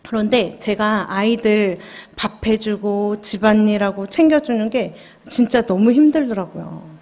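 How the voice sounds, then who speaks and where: A woman's voice: mid-range voice, unhurried, a little mellow. Woman preaching in a reverberant church. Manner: confessional, conversational, questions the congregation. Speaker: junior pastor. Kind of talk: sermon at a Friday prayer service. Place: church sanctuary. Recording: long church hall reverb.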